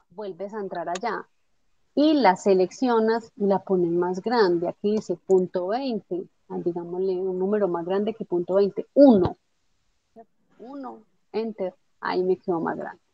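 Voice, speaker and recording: A woman teaching a software tutorial step by step, patiently checking that her student follows along. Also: medium pitch, dry recording. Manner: patient, explanatory, checks understanding with tag questions. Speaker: instructor. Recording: dull lo-fi dry audio.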